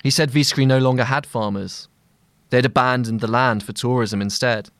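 A man narrating a scripted long-read essay as a journalist, in measured, deliberate phrasing. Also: mid-range voice, fairly even intonation, a bit bright, no echo, clean studio sound.

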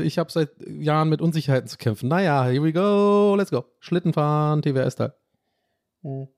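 A man's voice: fairly high pitch, a little mellow, no room sound, studio quality. A podcast host in his late thirties, talking casually to his listeners in a rambling, self-reflective way and dropping in English phrases. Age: 30s. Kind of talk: casual chat monologue.

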